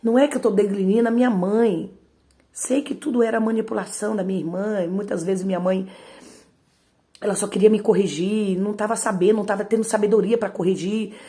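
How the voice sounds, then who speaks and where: Speaking straight to her audience again and again, a woman gives an emotional spoken testimony. Her mid-range voice is dark in tone, fairly even in intonation, and brisk.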